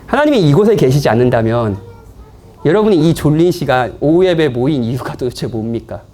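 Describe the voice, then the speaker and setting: A male pastor delivers a sermon in church, talking to his congregation as if in conversation. His voice rises and falls with animated, expressive swings, and he teases his listeners lightly as he goes. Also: mid-range voice, a little fast, slight background noise. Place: church, afternoon service.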